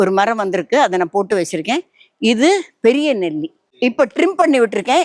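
Recorded with a dry, close sound and no echo, a woman with an unremarkable speaking voice uses lively intonation. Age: 60s. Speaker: retired bank employee and home gardener. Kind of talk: casual interview talk / garden tour.

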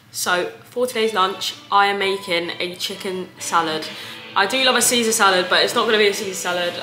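A woman speaks with fairly even intonation. Clear music plays behind her. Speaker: student vlogger. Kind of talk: casual vlog chat. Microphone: phone near.

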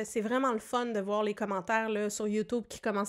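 Over a quiet background, a woman speaks in a fairly high pitch. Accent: Quebec. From Quebec, Montreal South Shore. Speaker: podcast co-host living with multiple sclerosis. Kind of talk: casual chat. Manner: animated. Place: studio. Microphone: studio mic.

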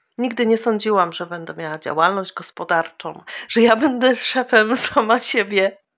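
Against a quiet background, a woman with a fairly high pitch talks at a moderate pace with hardly any pauses, ordinary pitch variation and big swings in loudness. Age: 50s. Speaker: tarot reader. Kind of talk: tarot reading. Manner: warm, affectionate. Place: home room. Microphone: phone near.

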